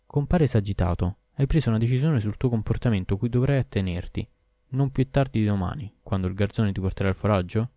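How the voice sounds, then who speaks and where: A man's voice: lowish voice, fast, mellow, no echo, clean studio sound, lightly acted. A man voicing a talkative, scheming male donkey in an audiobook, speaking urgently and persuasively. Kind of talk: audiobook character voice.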